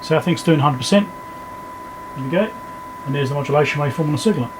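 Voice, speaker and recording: Man with a higher-pitched voice, noisy recording. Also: animated, fast. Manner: informal, thinking aloud while working. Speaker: electronics repair video host. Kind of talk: casual hands-on repair walkthrough. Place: indoor electronics workbench.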